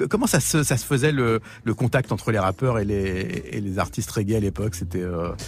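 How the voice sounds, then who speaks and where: Vocal fry marks this man's fairly low voice as he speaks at a moderate pace with lively intonation. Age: 50s. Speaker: radio host. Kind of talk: radio interview.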